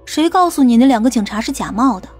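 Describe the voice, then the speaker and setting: A woman plays a tough, skeptical policewoman in an audiobook. She questions and challenges in a high voice, with faint music behind her. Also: expressive, quick pace, a little mellow, slightly rough. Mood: matter-of-fact. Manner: interrogating, challenging. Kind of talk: audiobook character dialogue.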